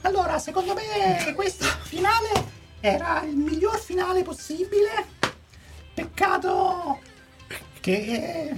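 A man's voice: extremely high pitch, pitched above the performer's own voice. A man voicing a flustered, foul-mouthed female film executive in a comic improvised impression, rambling and gossipy. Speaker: guest in a comic film quiz.

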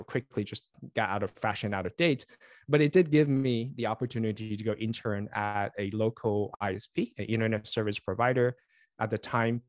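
Here a man's medium-pitched voice comes through at studio quality without any echo. He's in his forties, grew up in Taiwan with Chinese as his first language, and works as a network engineer and author. As a guest on a remote call, he keeps the casual interview friendly and rambling, restarting often and using many fillers.

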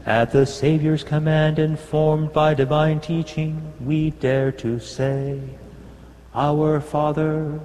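A man chants the liturgy very slowly, holding a narrow, level line in a fairly high voice. His singing rings out with a long cathedral echo, and soft organ music sits behind him. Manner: slow, even chant on a narrow pitch. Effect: cathedral echo, long reverb. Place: large church.

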